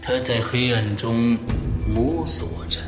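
A man's voice: mid-range voice, takes it slowly. A man narrating scripted horror and suspense promos as a dramatic announcer. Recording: loud music behind.

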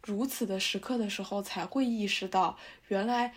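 A woman co-hosting a podcast, reflecting in a thoughtful, soft-spoken way. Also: mid-range voice, fairly even intonation, normal speed. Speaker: podcast co-host. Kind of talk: casual chat.

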